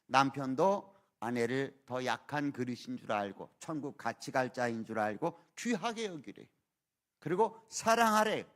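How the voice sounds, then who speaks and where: A man's voice: medium pitch, expressive, unhurried, a bit bright. An older man, an emeritus pastor, preaching a sermon in church with emphatic rhetorical questions. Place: church sanctuary.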